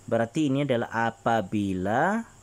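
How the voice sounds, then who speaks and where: A male teacher, explaining a religion lesson to children and often clearing his throat. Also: mid-range voice, animated, unhurried. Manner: frequent throat clearing, coaxing repetitions.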